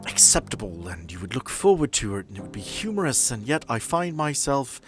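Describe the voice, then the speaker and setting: A man's voice: medium pitch, sing-song, brisk, natural voice. Guy doing a stiff impatient lady boss for an rpg, formal and curt, music behind. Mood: dry impatience. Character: busy, impatient, formal female office boss.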